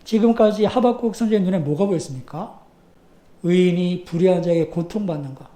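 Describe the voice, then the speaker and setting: Brief: high-voiced male pastor, lively sermon full of rhetorical questions, echoey church. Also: brisk. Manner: animated, conversational preaching with rhetorical questions. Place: church sanctuary.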